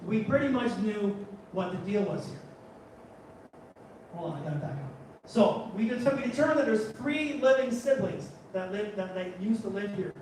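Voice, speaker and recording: A man with a fairly high voice tells a story to a live audience, chatty and animated and forever backing up to restart. The room is very echoey and he sits well back from the mic. A faint hum of the room runs behind him. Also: normal speed, recorded from a distance. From Canada. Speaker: photographer giving a talk. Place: large room at a photography guild talk.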